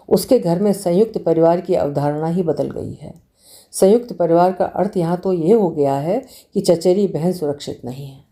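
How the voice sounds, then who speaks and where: A woman reading a short story aloud in a measured, expressive way. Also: fairly low pitch.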